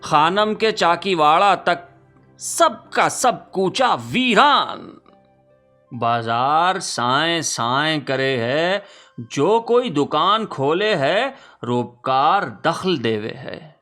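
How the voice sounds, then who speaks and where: Casting: male actor for a witty, lamenting 19th-century poet, courtly and theatrical letter reading, bright higher-set voice, music underneath. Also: lively intonation. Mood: mournful, resigned. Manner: archaic courtly diction, wry, theatrical.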